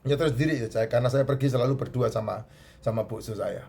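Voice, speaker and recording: A man's voice: medium pitch, quick pace, vocal fry, a little mellow, slightly rough. A middle-aged man with a stuffy, nasal voice, giving health advice in a casual talk, often repeating himself. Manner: chatty, repeats points, restarts words.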